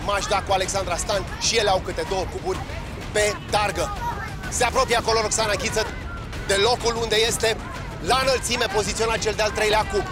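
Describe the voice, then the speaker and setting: A man giving live play-by-play commentary on a competition, calling each move quickly. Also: high voice, music in the background, crowd noise. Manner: rapid, excited calls. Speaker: sports commentator.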